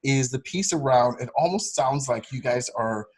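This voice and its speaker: Male coach host, mid pitch, slightly husky, friendly interviewer. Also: normal speed, rough recording. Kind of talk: casual video call discussion.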